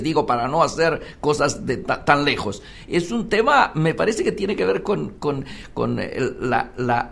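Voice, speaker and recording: A man hosting a radio talk show, speaking in a measured way and pausing often on "eh". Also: mid-range voice, creaky. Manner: measured, thinks aloud with frequent "eh". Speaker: radio host.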